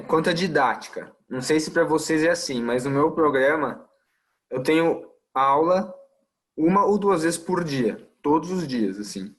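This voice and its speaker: A young adult man from Brazil with a Brazilian Portuguese accent, a medical resident talking in a casual podcast chat, thoughtful and full of fillers. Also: medium pitch. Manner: thoughtful, many fillers and trailing asides.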